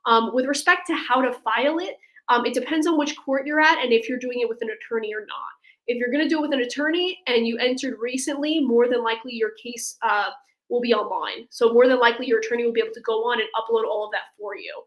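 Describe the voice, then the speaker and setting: A woman's voice: a little high, fast talker, a bit bright. A woman speaking as an immigration attorney, explaining legal steps conversationally, point by point, in a question-and-answer session. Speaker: immigration attorney, guest expert.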